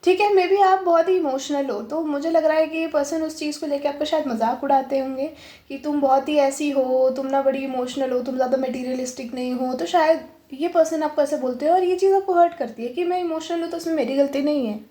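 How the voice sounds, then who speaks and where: A woman's voice: sits high, brisk, dark tone. A woman giving a pick-a-pile tarot reading. She switches between Hindi and English and keeps adding "ठीक है". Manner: mixes Hindi and English, often adds "ठीक है". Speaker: tarot reader. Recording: roomy echo.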